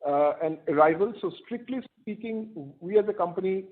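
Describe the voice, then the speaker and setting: A company executive with an Indian accent answers questions on an earnings call, his high, animated voice halting as he cites figures and corrects himself. The audio comes over a telephone conference line and sounds muffled and band-limited.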